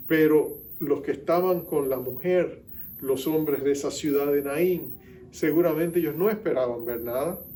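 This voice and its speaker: Preaching man, mellow voice, from a distance. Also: on the high side, slight background noise. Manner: preaching with dramatic pauses and hushed quoted lines. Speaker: pastor. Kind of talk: sermon.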